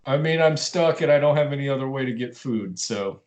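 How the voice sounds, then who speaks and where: A man playing an awkward adult son in an improv comedy scene, talking in a hesitant, deadpan way. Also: mid-range voice, fairly quick, natural voice. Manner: hesitant, deadpan, full of fillers.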